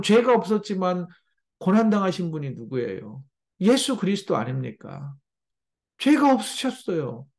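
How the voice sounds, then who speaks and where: Brief: male pastor, sermon delivery, gravelly edge, slightly raised pitch, emphatic and pleading. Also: warm tone. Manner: emphatic, acts out pleading quotes, addresses congregation often.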